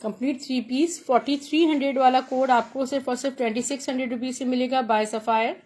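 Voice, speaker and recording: High-voiced Pakistani woman doing teleshopping patter. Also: fairly even intonation, quick pace, a little mellow. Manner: chatty teleshopping patter, repeating praise and prices. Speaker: live online clothing seller. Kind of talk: live sales pitch, showing items.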